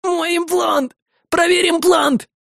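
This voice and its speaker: A man's voice: sits high, lively intonation, normal speed, a little mellow, husky, dry recording, clean studio sound, voice pushed up. A man voicing a sobbing, wounded soldier pleading for help. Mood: desperate pleading. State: in pain, crying. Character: panicked wounded male soldier trapped in wreckage. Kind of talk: audiobook character voice.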